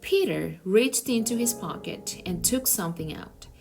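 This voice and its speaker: A woman's voice: medium pitch, animated, measured pace, creaky, over music. A woman narrator reading a children's novel aloud in a storytelling style.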